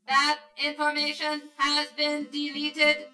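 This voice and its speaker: A woman playing an emotionless, obedient female pleasure robot in a sci-fi radio drama, reciting in a robotic monotone. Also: high-pitched, slow pace, faint music behind, full character voice. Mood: flat, obedient.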